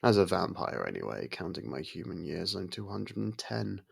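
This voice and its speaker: A man playing an aloof centuries-old vampire who grudgingly cares for a human, in an intimate ASMR roleplay, gravelly, husky and measured with a slightly haughty, halting delivery. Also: deep voice, sing-song, exaggerated voice. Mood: measured, explanatory.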